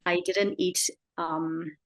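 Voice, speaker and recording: A middle-aged Burmese nun with a Burmese accent, answering interview questions in an unhurried, gentle way. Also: female voice, lowish voice, fairly even intonation. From Burma. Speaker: Buddhist nun, interview guest.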